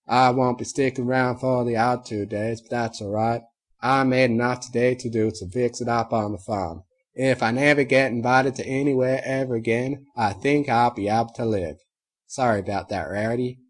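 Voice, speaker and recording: Southern farm mare, defiant and plainspoken, as a man reads her, raised and husky. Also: mid-range voice, steady tone, moderate pace, close to an everyday voice. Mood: resigned. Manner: loud drawling rant.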